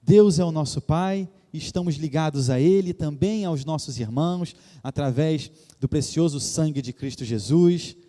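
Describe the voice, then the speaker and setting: A male pastor with a Rio de Janeiro accent preaches to his congregation in a reverent, earnest way, pausing for emphasis. His voice is somewhat high, but the tone is warm and mellow. A long church reverb trails each phrase. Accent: Brazilian Portuguese, Rio de Janeiro. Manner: addresses the congregation as "queridos" often. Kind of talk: sermon. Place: church sanctuary.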